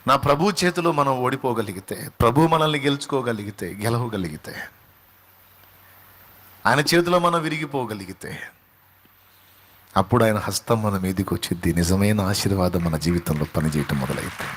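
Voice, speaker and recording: A man's voice: lowish voice, lively intonation, normal speed, pauses often, a bit bright. A male pastor delivering a sermon in an emphatic style, repeating phrases and asking rhetorical questions.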